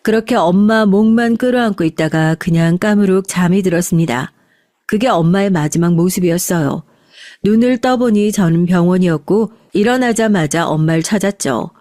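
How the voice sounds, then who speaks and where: Woman, mid-pitched, scripted first-person narration, storyteller, dry close recording. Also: dark tone, no echo.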